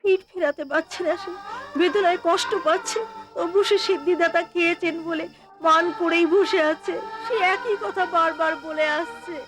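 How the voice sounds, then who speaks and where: An actress playing a gentle, protective mother defending her son in a dubbed devotional drama. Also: very high-pitched, normal speed, rough recording. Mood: reproachful. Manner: defensive, soothing. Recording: clear music bed behind.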